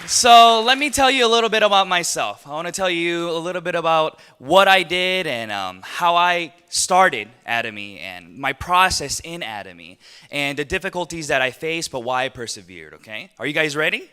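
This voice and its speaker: A man from Los Angeles in his thirties tells his story to a live crowd. His bright voice sits a little high and swings widely in pitch. He laughs often and keeps checking in with his listeners. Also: normal speed, clear, resonant tone. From USA (Los Angeles). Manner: lively, animated storytelling with frequent laughs and rhetorical questions. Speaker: motivational speaker. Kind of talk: speech to a live audience.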